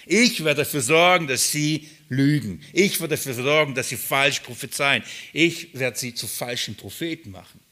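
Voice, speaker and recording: A man's voice: medium pitch, moderate pace, few pauses, bright, forceful tone. A man preaching an expository sermon, asking rhetorical questions and pressing his points with emphatic, searching delivery.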